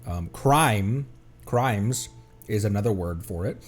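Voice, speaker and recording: A man's voice: fairly low pitch, lively intonation, takes it slowly. A man streaming a game with casual, sarcastic running commentary. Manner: wry, sarcastic.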